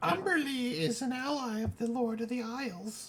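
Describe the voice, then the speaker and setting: A female-sounding, high-pitched put-on character voice carries the speech. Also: moderate pace. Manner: squawky.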